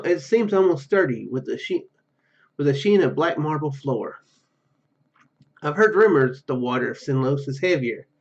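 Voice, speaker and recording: A man hosting a gameplay video, reading story narration aloud haltingly with casual comments. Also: on the high side, muffled recording. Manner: halting reading, stumbles and repeats words. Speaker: gaming video host.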